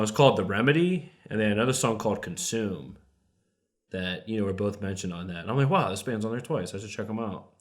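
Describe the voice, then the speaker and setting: A man's voice: lowish voice, a bit bright. A young man co-hosting a casual podcast chat, laid-back, swearing casually and saying dude. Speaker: podcast co-host.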